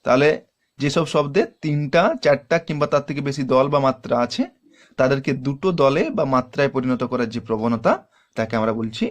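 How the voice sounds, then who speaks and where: A man with a Bengali accent teaching a grammar lesson, patiently repeating definitions and sounding out syllables one by one. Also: a little high. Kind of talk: explanatory lesson.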